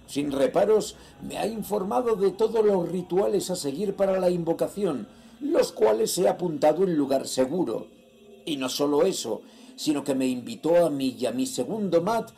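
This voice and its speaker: An actor playing a greedy, ruthless nineteenth-century sea trader, reading his journal in a measured, solemn and theatrical way for a horror audio drama. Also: on the high side, creaky, mellow, slight background noise.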